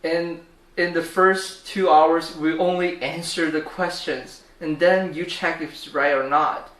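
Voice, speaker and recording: A man reading an article aloud in a measured, deliberate way during a casual chat. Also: fairly high pitch, steady tone, fairly bright tone. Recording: echoey room.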